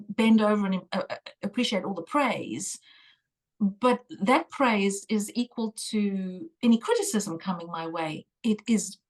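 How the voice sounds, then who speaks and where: A middle-aged woman from South Africa, a tarot reader speaking as a guest on a video call interview, earnest and emphatic with the odd mild swear word. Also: medium pitch. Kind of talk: conversational interview.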